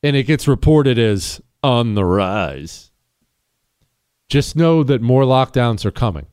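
A man hosting a call-in radio talk show, sarcastic and combative, mocking in a high voice then dropping low. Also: big pitch swings, takes it slowly, darkish tone, no room sound, clean studio sound.

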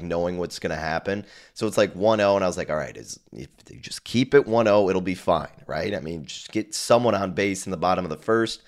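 Male sports podcast host, low and a little hoarse, chatting casually in a rambling monologue. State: slightly hoarse.

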